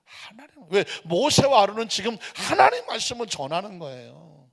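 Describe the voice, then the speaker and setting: A man's voice: high-pitched, sing-song, moderate pace, long reverb tail. A man from Seoul preaching a sermon as pastor, keeps firing rhetorical questions at the congregation. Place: church sanctuary.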